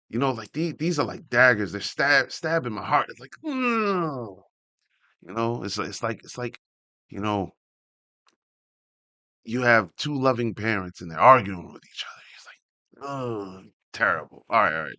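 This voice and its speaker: A man with a fairly low voice reads aloud and comments as he goes, in a casual, off-the-cuff way. He often interrupts himself with animated asides. The sound is dry and close, with very little room in it. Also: unhurried, pauses often, dry recording. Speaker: host reading a wrestling article aloud with commentary. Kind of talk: casual read-along commentary.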